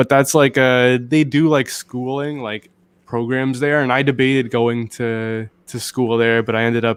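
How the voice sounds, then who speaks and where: On a very clean recording with a silent background, a man with a slight Canadian accent speaks in a medium pitch with monotone, flat intonation. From Canada (southern Ontario). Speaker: music producer. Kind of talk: interview.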